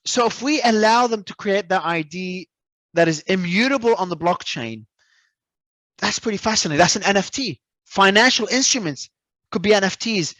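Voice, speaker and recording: Man, guest in an interview, animated and emphatic, somewhat high voice, dry close sound. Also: normal speed, no room sound. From Australia. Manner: animated, emphatic, repeats words when restarting. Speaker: crypto entrepreneur guest. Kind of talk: casual interview talk.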